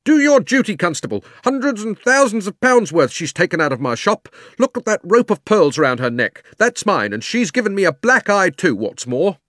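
Storybook tradesman: portly, furious, high-pitched, loudly accusing, dry sound. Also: big pitch swings, moderate pace, hardly any pauses, no room sound. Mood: outraged. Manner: indignant, shouting accusations. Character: fat, outraged shopkeeper in a frock coat.

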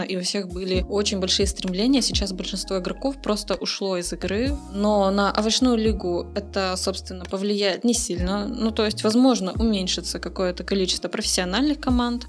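A woman's voice: medium pitch, steady tone, brisk, few pauses. A woman answering interview questions as a guest, an esports community manager. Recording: music under the talk. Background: music.

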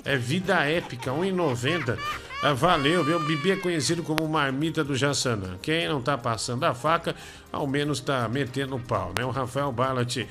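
A man's voice: medium pitch, normal speed. A man hosting a casual live show, joking and teasing. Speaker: host. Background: music playing.

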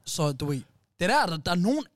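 Recorded cleanly in a studio with no room sound, a high-voiced man hosts a casual podcast and narrates a story. He's animated, speaks in phrases, restarts frequently, and sprinkles in slang like "bro" and "wallah."

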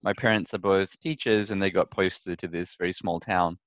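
A young man from Perth, Australia, answering interview questions in a friendly, relaxed way and repeating words as he thinks. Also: low voice, normal speed, no echo. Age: young adult. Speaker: interview guest, startup founder. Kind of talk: conversational interview.

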